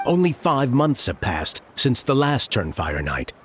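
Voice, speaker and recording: An actor playing a stern, protective middle-aged tribal elder and father in a game, with a measured, formal way of speaking. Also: medium pitch, very animated, a little hiss or hum. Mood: solemn.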